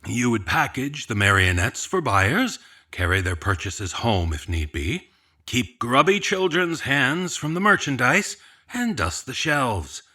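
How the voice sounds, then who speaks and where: A sly, controlling puppet-shop gentleman in an audio drama. The voice is husky and sharp, with very animated pitch. Formal, deliberate wording carries a polite menace. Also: exaggerated voice. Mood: bargaining, veiled threat. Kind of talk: scripted audio drama dialogue.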